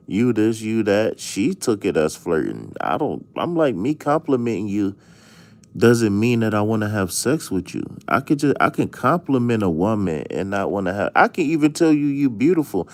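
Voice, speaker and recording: A man's voice: lowish voice, very animated, moderate pace, no room sound. A man streaming a casual chat as a tarot reader, telling stories with jokes and plenty of profane slang. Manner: joking, storytelling, profane slang.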